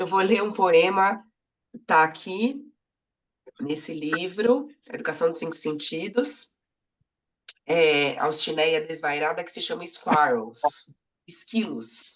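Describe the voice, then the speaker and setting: A woman with a fairly low voice speaks at a very slow pace, with very wide pitch swings and long, frequent pauses. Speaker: poet. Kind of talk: poetry reading.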